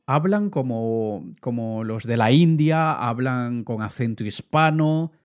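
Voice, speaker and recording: A man, a native Spanish speaker, talks straight to the listener in an earnest motivational monologue. His voice sits at an ordinary middle pitch, and he coaxes and urges by turns as he walks through his points. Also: darkish tone. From Latin America. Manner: earnest, direct, addresses the listener as "you".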